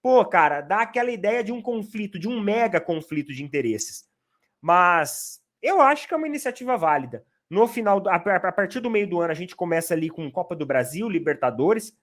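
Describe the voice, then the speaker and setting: A man's voice: high-pitched, very animated, a little fast, fairly bright tone. Chatty São man hosting. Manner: chatty, explains at length with many "né" fillers. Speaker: channel host, Palmeiras fan. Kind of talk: casual football chat.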